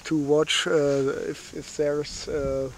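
Standing on a lakeshore in light rain, an outdoor channel host gives a casual gear review, filmed on a handheld camera at arm's length. He speaks slowly and haltingly in a slightly high, flat voice, with many fillers and simple non-native phrasing. Faint rain and outdoor noise come through.

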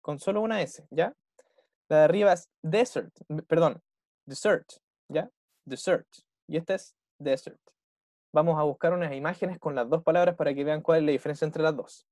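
A man's voice: on the high side, normal speed, a little mellow, dry recording, studio quality. A man with a Chilean Spanish accent, an English teacher who walks a class through a recorded dialogue and keeps checking in with short questions. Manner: patient, checks in with "¿ya?" and "¿cierto?" after every point.

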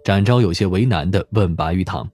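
A man's voice: deep voice, brisk, darkish tone, slightly rough, dry recording. A man reading a detective audiobook as a scripted narration. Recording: music behind the voice.

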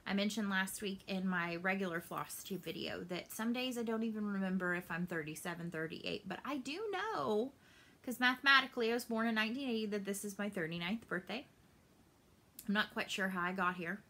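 Her voice sits at medium pitch and comes across pushed and bright. She's a cross-stitch vlogger in her late thirties, seated in a small home room and talking loosely to the camera about stitching, wandering off on tangents and gesturing. The camera is in front, showing her from the waist up.

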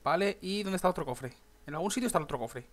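Excitable young gamer, higher voice. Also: male voice, very fast. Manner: chatty, swears, bursts into excited shouts. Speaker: gaming YouTuber. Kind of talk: casual gameplay commentary.

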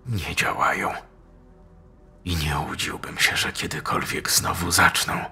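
Brief: grim old man, voiced by the narrator, deep and gravelly, blunt. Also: fairly even intonation, a little slow, bright, forceful tone, soft background music, heavily acted. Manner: curt commands, fatalistic mutters. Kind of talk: audiobook character voice.

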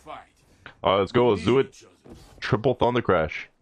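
A man talking casually in game voice chat through a voice changer that morphs his voice. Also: moderate pace. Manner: laid-back, short friendly callouts. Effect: voice changer deepening and morphing the voice. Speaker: gamer playing undercover with strangers. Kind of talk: casual voice chat during an online match.

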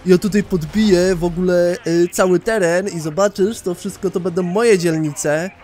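A man's voice: sits high, steady tone, normal speed, a little mellow, close to an everyday voice. A man putting on a boastful, threatening male gang boss in a game commentary.

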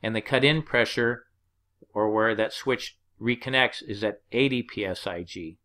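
An HVAC instructor teaches a course over slides, his lowish voice pushed and bright at a moderate pace. He explains plainly, working through the numbers one step at a time.

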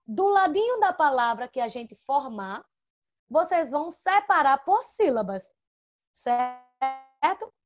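A high-pitched woman runs an online class for small children. She talks into her computer microphone with patient, coaxing warmth. She keeps checking in and spells out syllables slowly. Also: very animated, soft background music. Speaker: first-grade teacher. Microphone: computer microphone, with headphones.

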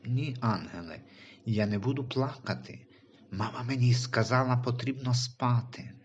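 A man voicing a timid, trusting unborn baby boy in a Christian audio story, speaking softly and questioningly. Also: mid-range voice, moderate pace, highs cut off, a little hiss or hum, lightly acted. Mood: pleading.

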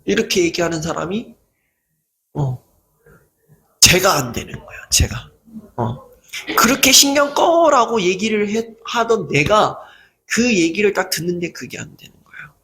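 A man's voice: high-pitched, animated, a little slow, gravelly, long pauses, sharp tone. A man who hosts a channel, giving an earnest motivational talk and acting out people's mocking remarks as he goes. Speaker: lecturer and channel host.

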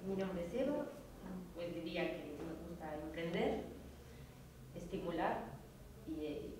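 A woman's voice: fairly low pitch, animated, a little mellow, slight background noise. A woman architect introducing herself, a little nervous. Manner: a little nervous, quick laughs. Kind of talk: self-introduction in a seminar. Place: seminar room, seated in a circle. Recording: echoey room from far off with people around.

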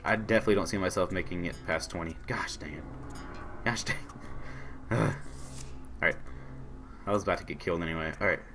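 A hoarse young man with a sore throat, casually commentating a game he is playing, reading on-screen messages aloud and answering them. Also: deep voice, background noise. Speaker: gaming channel host. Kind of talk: casual let's-play commentary.

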